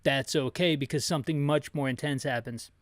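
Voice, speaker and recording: A man's voice: fairly high pitch, steady tone, fairly quick, no echo. A man giving casual, rambling descriptive commentary on a video game, with jokey asides. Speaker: video game playthrough narrator.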